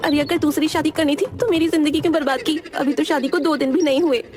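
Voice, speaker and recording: A woman's voice: high-pitched, steady tone, quick pace, natural voice. Woman playing a whiny, always-hungry young bride. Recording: loud background music.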